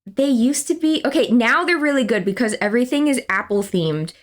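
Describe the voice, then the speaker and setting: A young woman chats her way through a game stream, rambling and reading out messages as they come in. Her voice sits a little high for a woman, and she talks in a loose, easygoing way. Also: expressive, brisk. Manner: chatty, rambling, reads chat aloud. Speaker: livestreamer. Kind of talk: casual stream chat.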